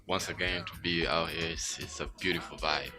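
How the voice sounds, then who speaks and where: A man from Tanzania, a guest musician, talking in a radio studio interview, reflective and growing emphatic when excited. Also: deep voice, normal speed, music in the background.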